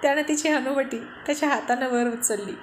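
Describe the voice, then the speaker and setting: Woman reading a love story out loud, kinda high voice, light hiss behind. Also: brisk, poor audio. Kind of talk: narrating a serialized romance story.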